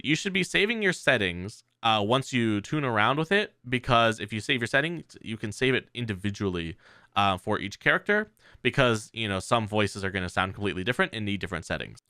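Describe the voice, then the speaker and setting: A man hosting a tech tutorial, talking through software steps in an informal, hesitant, unscripted way into a close microphone. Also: medium pitch, dry recording. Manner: informal, hesitant step-by-step explaining. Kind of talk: casual unscripted software walkthrough.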